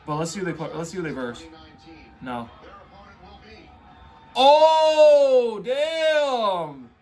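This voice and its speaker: A man talking like an excitable frat bro, hosting a casual, off-the-cuff sports reaction full of slangy asides. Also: very high voice, very slow, soft background music. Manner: excitable frat-bro talk, heavy on "bro" and "dude". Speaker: host reacting to a tournament bracket.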